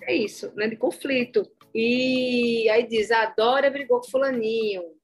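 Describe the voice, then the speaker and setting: A woman from Pernambuco, a journalist and academic, answering interview questions in a measured, analytical way. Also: a little high, low-quality recording. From Pernambuco, Northeast Brazil.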